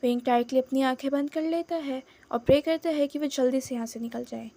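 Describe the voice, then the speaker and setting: A woman's voice: high voice, fairly quick, mellow. A young woman narrating her own fan fiction in a chatty, dramatic storytelling manner.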